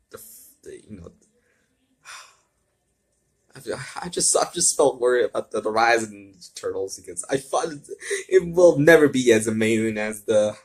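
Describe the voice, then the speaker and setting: A man's voice: lowish voice, slightly rough. A man reading fan fiction aloud with casual asides, often stumbling over words and repeating himself.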